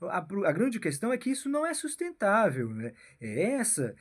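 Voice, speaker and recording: Against a noisy background, a Brazilian-accented man speaks in a high voice with huge pitch swings, giving a rambling political monologue as a commentator. He constantly adds a questioning "né?" and "meu filho" ("my son"), halting and frequently restarting or repeating phrases.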